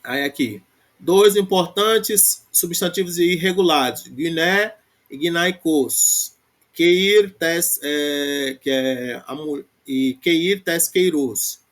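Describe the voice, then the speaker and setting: A man with a Brazilian Portuguese accent gives a recorded grammar lesson. His voice sits a little high for a man. Overall he talks at an unhurried pace, drawing out each recited form before rattling off short explanations. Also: fairly bright tone. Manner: recites declension forms slowly, then explains in quick bursts with frequent "né?". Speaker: Greek language teacher.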